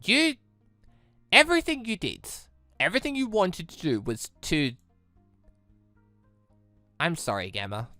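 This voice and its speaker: A man voicing an earnest, anxious, tender-hearted young android girl in a visual novel, halting and emotional. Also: high voice, wildly swooping pitch, sharp tone, no echo, faint music behind, full character voice. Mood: apologetic.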